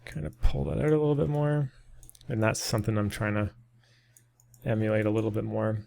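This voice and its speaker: A man's voice: fairly low pitch, little pitch movement, fairly quick, vocal fry, a little mellow. A man narrating a casual 3D texturing tutorial, thinking aloud with many ums, and slightly losing his voice. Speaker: 3D modeling tutor. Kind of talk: casual screen-recorded software tutorial.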